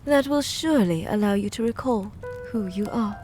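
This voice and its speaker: A woman playing a pale, eerie, courteous maid in an audio drama, with formal, archaic, measured speech. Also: medium pitch, a little mellow, close to an everyday voice. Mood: composed, enigmatic. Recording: music behind the voice.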